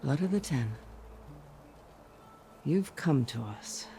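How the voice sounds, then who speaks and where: A slow, stately tribal warrior. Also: male voice, fairly high pitch, lively intonation, warm tone, slight background noise. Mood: awed, welcoming. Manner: formal, ceremonious, deliberate. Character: reverent, stately tribal warrior greeting a champion. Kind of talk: dramatic video game acting.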